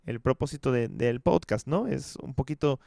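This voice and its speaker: A man with a Mexican accent hosting a casual podcast and teaching Spanish, chatting in a relaxed way with frequent tag questions. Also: mid-range voice, moderate pace, creaky, no room sound, studio quality.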